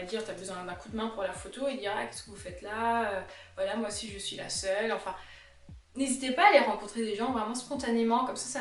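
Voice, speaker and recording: A young woman with a strong Alsatian accent talks casually and animatedly to her viewers, at an ordinary middle pitch. The sound is roomy and the camera mic sits some way off. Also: distant mic. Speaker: illustrator vlogger.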